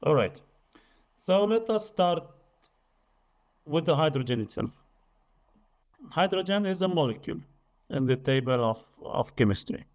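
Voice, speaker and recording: A man's voice: a little high, very animated, a little slow, pauses often, a little mellow. A man in his late thirties whose first language is Arabic, a podcast guest explaining things earnestly and carefully in conversation. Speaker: podcast guest, energy business developer.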